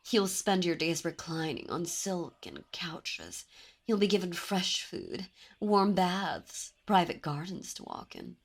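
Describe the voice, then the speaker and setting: A woman voicing a dominant, possessive demon princess in an ASMR roleplay, speaking in a silky, commanding way with soft whispers. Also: medium pitch, husky, full character voice. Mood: seductive. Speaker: voice actor. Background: birdsong and ambient sound effects.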